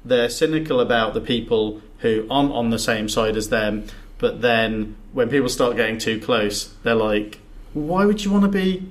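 A man's voice: medium pitch, normal speed, hardly any pauses. Rambling man podcasting. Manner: rambling, many restarts and repeated words. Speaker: podcast co-host. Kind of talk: casual chat. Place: big echoey box used as studio. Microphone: sitting back from the table and mic.

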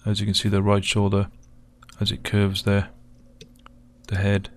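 A man with a croaky, gravelly voice narrates at an unhurried crawl, stopping often to hunt for the right frame. His voice sits a little low, and keyboard clicks from his desk come through now and then. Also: completely flat delivery, slight background noise. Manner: hesitant, pausing often with fillers. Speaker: video host analysing footage. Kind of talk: slow screen-recorded commentary.

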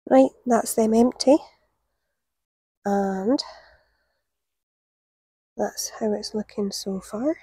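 Working outdoors on her allotment, a woman in her forties tells stories to camera and laughs at them, in a chatty vlogging style about gardening. She speaks very slowly with frequent pauses, her voice a little high, warm and breathy-edged, and there is no echo. The camera rests on the ground a few metres off.

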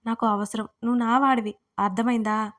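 A woman's voice: a little high, fairly even intonation, fairly quick, lightly acted. Woman playing a clingy obsessive young girl on the phone. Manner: breathy, pleading.

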